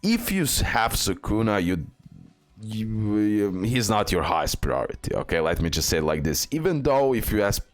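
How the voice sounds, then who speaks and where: Brief: low-voiced male gaming host, casual reading of game stats with ums. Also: very animated, normal speed, soft background music. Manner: reads skill text aloud with fillers and restarts. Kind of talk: game tier list commentary.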